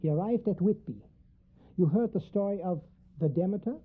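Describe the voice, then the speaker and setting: A woman playing a grave, commanding professor who hunts vampires, speaking formally and deliberately in a radio drama. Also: mid-range voice, slightly rough, lightly acted. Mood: grave, explanatory. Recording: tinny, narrow band like phone line.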